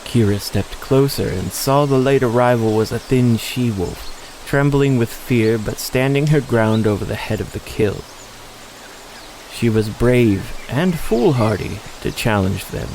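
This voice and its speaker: A man's voice: medium pitch, measured pace, a little mellow, slight background noise, poor audio. A man delivering scripted, dramatic narration of a story as the narrator.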